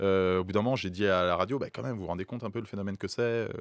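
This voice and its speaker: A man with a very deep, low pitch speaks against a quiet background, the sound dry with no echo. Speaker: news radio journalist covering video games; radio journalist guest. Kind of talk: live interview. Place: studio. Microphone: studio mic.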